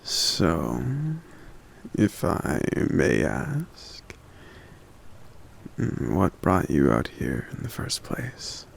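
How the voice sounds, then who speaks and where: A man voicing a gentle, courteous forest giant in an ASMR roleplay, speaking softly and hesitantly with polite hums and pauses. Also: sing-song, a little hiss or hum, exaggerated voice. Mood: gentle, caring. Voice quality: very deep, gravelly.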